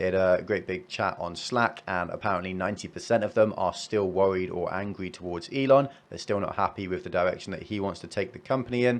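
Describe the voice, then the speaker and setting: A man speaks with a British accent at a fairly low pitch. His pitch variation is ordinary, and the background is quiet. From UK. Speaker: finance YouTuber. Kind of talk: market commentary monologue.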